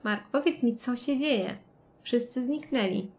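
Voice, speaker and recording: A woman's voice: on the high side, unhurried, a little mellow. A woman reading the lines of a frightened young woman stranded on a plane in a game, in a plain read-aloud way. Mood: worried.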